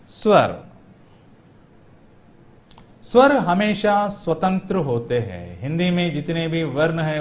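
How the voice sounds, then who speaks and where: A man teaching Hindi grammar in a classroom, sounding out vowels slowly and asking the class questions he then answers. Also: a little high. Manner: slow, repeats vowel sounds aloud for drill. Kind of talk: classroom lecture for exam prep. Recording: dull lo-fi classroom recording.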